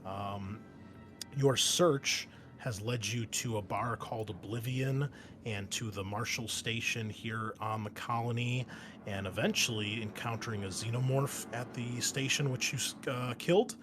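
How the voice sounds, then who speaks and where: A man's voice: mid-range voice, unhurried, over music. A man speaking as host and game master of a tabletop roleplaying session, in an informal, conversational way. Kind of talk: casual chat and recapping a tabletop game.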